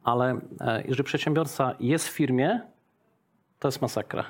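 Speaking at normal speed in a mid-range voice, this middle-aged man is a business owner being interviewed casually. He illustrates his thinking with examples, chatting freely and repeatedly ending points with an inquiring "tak?".

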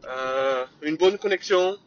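A man's voice: fairly high pitch, slow pace, lo-fi sound. A man hosting his own podcast, talking energetically in a casual solo monologue, with lots of fillers and bits of English sales jargon. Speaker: podcast host.

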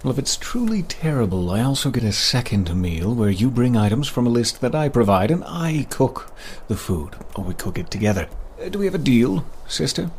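A man's voice: mid-range voice, big pitch swings, moderate pace, few pauses, darkish tone, slight background noise. A man playing an easygoing, boastful monster hunter for hire in an audio drama, with a hesitant, rambling delivery. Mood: relaxed, wry. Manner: hesitant, rambling, munches while talking.

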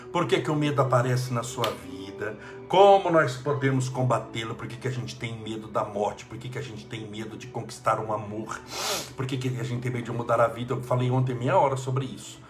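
Emphatic preachy man over soft music. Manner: preachy, emphatic, rises in pitch when scolding. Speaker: spiritual motivational speaker. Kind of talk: motivational talk.

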